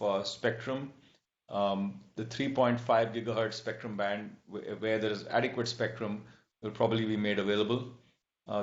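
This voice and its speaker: A man answering as a company executive on an earnings call, in a measured, halting, explanatory manner. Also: fairly low pitch. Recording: dull, echoey conference-call audio.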